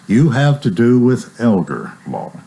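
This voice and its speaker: A man's voice: mid-range voice, very animated, a little slow, vocal fry, mellow. A man hosting a local radio interview in a folksy, hesitant, meandering manner. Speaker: radio host.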